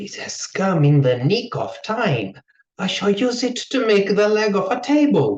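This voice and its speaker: A man mumbles in a put-on character voice pitched high for a man. His pitch swings very widely at a moderate pace. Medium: read story. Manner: mumbling, talks half to himself.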